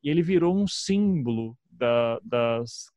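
A man in his thirties with a Paraná accent from southern Brazil, speaking conversationally and reflectively as an interview guest, often halting and restarting his sentences. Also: medium pitch, expressive, a little mellow, dry recording, studio quality. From Curitiba, southern Brazil. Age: 30s. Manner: halting, self-interrupting, frequent "né" tags. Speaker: podcast guest, storytelling podcaster.

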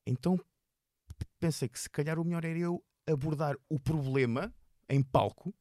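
A man with a European Portuguese accent and a stutter, speaking at a fairly high pitch and moderate pace in a dark tone, animatedly tells stories about his stand-up shows as an interview guest. He repeats and blocks on words in this casual storytelling. The studio-quality recording has no echo.

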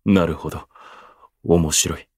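Aloof theatrical observer, very low voice, florid pompous phrasing, voice drama, dry close sound. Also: male voice, fairly even intonation, breathy edge, no echo, full character voice. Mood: intrigued, sincere. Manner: pompous, florid, unhurried speech. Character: theatrical, aloof male station worker, eloquent observer. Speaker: voice actor. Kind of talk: Japanese voice drama acting.

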